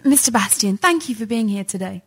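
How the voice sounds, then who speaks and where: A woman playing a local radio talk show host who interviews a guest with brisk, pushing questions in a comedy sketch. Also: mid-range voice, lively intonation, breathy edge.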